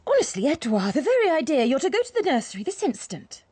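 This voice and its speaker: Honeyed scheming stepmom, voice swoops up and down, radio play. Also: female voice, sits high, big pitch swings, fast talker, warm tone, no room sound. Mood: coaxing. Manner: honeyed, coaxing, insistent. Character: scheming, falsely sweet stepmother. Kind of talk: radio drama acting.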